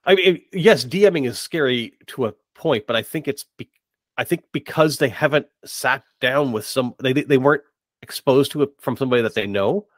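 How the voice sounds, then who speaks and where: A man's voice: medium pitch, brisk, no room sound. Middle-aged man, casual and hesitant, dry sound. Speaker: podcast host. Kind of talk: casual discussion of tabletop gaming.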